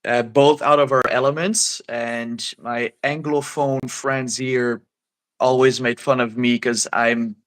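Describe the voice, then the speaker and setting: A man from Québec with a Montreal accent, talking casually as a guest in a language chat. He laughs often and talks in a lively, caffeinated way. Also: medium pitch, slow. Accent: Montreal Québécois. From Québec, Canada.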